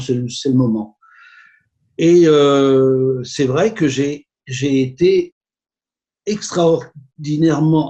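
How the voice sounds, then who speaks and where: Somewhat breathy and dark, mellow in tone, the voice moves at a very slow pace with ordinary pitch variation and long, frequent pauses. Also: man. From northern France, Haute-Normandie (Gisors). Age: 70s. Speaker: retired business owner, online seller. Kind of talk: interview. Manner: halting, many repetitions and fillers.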